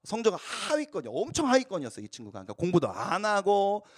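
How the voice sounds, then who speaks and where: A man's voice: high-pitched, quick pace, no room sound, clean studio sound. A man preaching a casual youth sermon, telling stories and acting out the quoted lines. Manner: animated storytelling, acts out quoted lines. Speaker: youth pastor.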